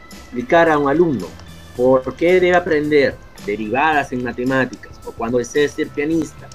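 Man on a video call, slightly high voice, faint music behind, steady listing tone. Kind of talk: explanatory talk on a video call.

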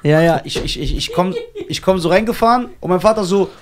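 A young man from Germany telling a story on a casual podcast, animated and laughing at himself as he acts out the voices of the people in it. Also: high voice, fairly quick, noisy background. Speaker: podcast co-host.

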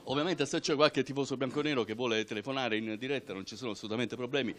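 A man's voice: medium pitch, racing, a bit bright. A man, hosting a light live morning show with interviews. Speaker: TV show host. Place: shopping centre walkway. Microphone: handheld interview microphone.

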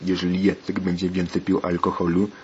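A man voicing a stern, worried father who scolds his son, in a steady, insistent tone. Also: low voice, brisk, lo-fi sound, slight background noise, lightly acted. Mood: scolding.

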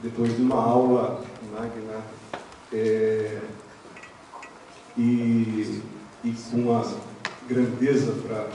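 An older man with a Brazilian accent moderating a seminar panel, speaking formally and haltingly as he searches for words. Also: mid-range voice, flat delivery, dark tone. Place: large indoor auditorium at panel table. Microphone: handheld microphone through hall, far camera. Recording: echoey auditorium, distant mic, faint noise.

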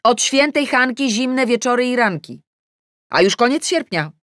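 A woman's voice: fairly high pitch, lively intonation, unhurried, a bit bright, dry recording, clean studio sound, pitched above the performer's own voice. A woman voicing an anxious, nagging older mother in an audiobook. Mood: fussing. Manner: insistent, nagging. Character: fussing, anxious older mother of a grown daughter. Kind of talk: audiobook character reading.

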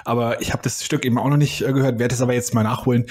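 A man in casual podcast talk, speaking in a brisk, agreeable way. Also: mid-range voice, fairly even intonation, a little mellow, husky. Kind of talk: casual chat.

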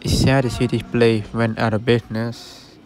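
The recording is low quality, with faint outdoor traffic, as a man gives a casual walkthrough of a closed restaurant at a shopping center. A vlogger who explores shut stores, he speaks to viewers in a mid-range, level voice at a moderate, matter-of-fact pace.

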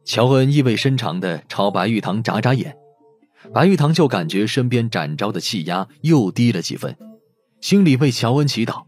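A man's voice: mid-range voice, expressive, normal speed, a little mellow, soft background music. A man reading a novel aloud as a dramatic audiobook narrator.

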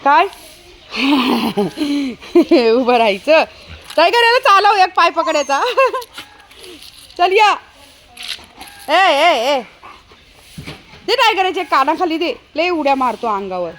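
High-voiced woman chatting slowly outdoors. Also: expressive, a bit bright, a little hiss or hum. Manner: scolding and teasing, with frequent laughter. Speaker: vlogger, dog owner. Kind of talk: casual vlog talk to her dog. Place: outdoors in an open ground.

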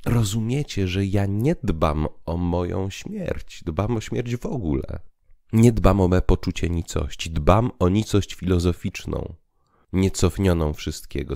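A man's voice: deep voice, a little mellow, dry recording, studio quality. A man voicing a bitter, despairing freed prisoner who declaims solemnly in a dramatic literary monologue.

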